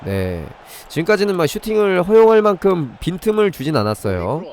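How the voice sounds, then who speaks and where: Brisk and very animated, a man's high, slightly mellow voice leads a live gaming stream. He provides commentary and review, demonstrating step by step and interrupting himself to address viewers. Slight background noise is present.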